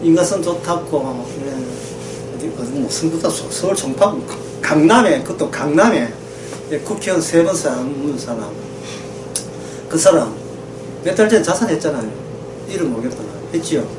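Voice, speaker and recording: Here the preacher is a woman with a low-pitched voice and lively intonation, speaking at a moderate pace over background noise. Her sermon is emphatic and laced with rhetorical questions as she often presses the congregation for agreement. The sound comes from a distance in an echoey room with faint ambience.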